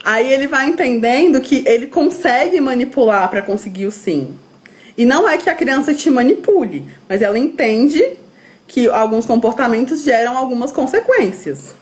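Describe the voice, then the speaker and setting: A Brazilian woman appears as a guest specialist in an interview, explaining things step by step and acting out what parents and children say. Her high voice has a sing-song, slightly mellow quality, and she speaks at a moderate pace.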